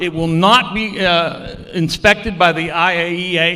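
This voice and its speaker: High pitch from a man, set against noticeable background noise. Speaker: professor. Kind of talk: heated debate.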